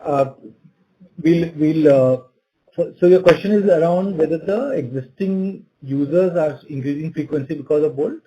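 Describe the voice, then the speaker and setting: Exec guy on earnings call, soft mellow voice, repeats words as he goes. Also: fairly high pitch, moderate pace, poor audio. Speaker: company executive answering analysts.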